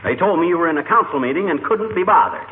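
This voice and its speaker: An actor playing a blustering, boastful middle-aged husband who talks in ungrammatical bluster, in 1940s radio comedy style. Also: male voice, fairly high pitch, lively intonation, fast, lightly acted. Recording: tinny old radio with clear hiss.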